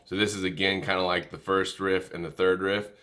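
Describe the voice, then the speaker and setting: A man giving an informal music lesson, calling out notes in a halting, easygoing way and correcting himself as he goes. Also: low voice, little pitch movement. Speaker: music tutorial instructor. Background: musical instrument playing between and under phrases.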